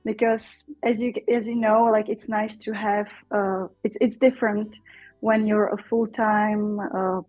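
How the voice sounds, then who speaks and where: A young adult woman from the Czech Republic with a Czech accent, a Czech teacher speaking English casually as an interview guest, thoughtful and pausing often. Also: medium pitch, level tone, a little mellow, no echo, lo-fi sound, soft background music. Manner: thoughtful, many fillers and restarts.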